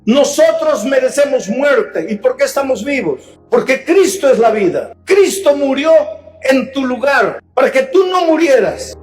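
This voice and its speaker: High-voiced man preaching a sermon. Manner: swings between hushed tender pleading and shouted preaching; acts out dialogues between characters in his own voice. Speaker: pastor.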